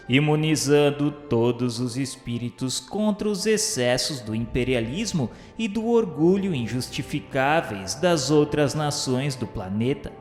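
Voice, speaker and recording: A man with a Brazilian accent reading a solemn radio drama narration in a measured, grandiloquent way. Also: fairly high pitch. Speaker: narrator of a religious radio novela. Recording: reverberant hall echo, music underneath. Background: background music.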